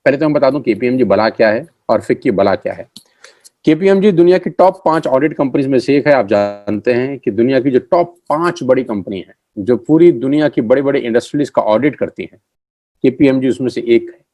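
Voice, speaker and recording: A man's voice: mid-range voice, expressive, brisk, mellow. A middle-aged man giving a motivational business presentation, emphatic and repetitive, slipping English catchphrases into his talk. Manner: emphatic, repeats key phrases for effect; mixes English catchphrases into Hindi. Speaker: network marketing presenter.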